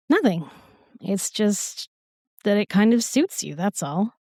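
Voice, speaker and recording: A woman's voice: medium pitch, very animated, slow pace, warm tone, dry recording, studio quality, heavily acted. A woman playing a sassy, irreverent young modern woman in a fantasy audio drama, wry and chatty. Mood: warm, resigned.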